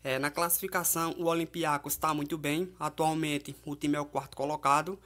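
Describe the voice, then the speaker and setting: A man's voice: a little high, little pitch movement, brisk, fairly bright tone. A man with a Brazilian accent presenting informal football betting previews as a tipster, in a conversational way with frequent tag questions. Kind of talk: informal match preview and betting tips commentary.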